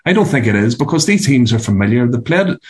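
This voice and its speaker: A man with a Northern Irish accent giving casual sports punditry as a guest journalist, halting and repeating words as he goes. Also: mid-range voice, big pitch swings. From Antrim, Northern Ireland.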